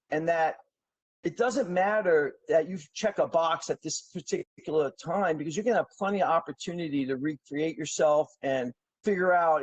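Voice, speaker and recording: A middle-aged New York City man appears as a podcast guest, his voice a little high and a little mellow, with the highs cut off. He spins long stories in a rambling, talkative way, full of fillers and restarts, in a casual interview storytelling style.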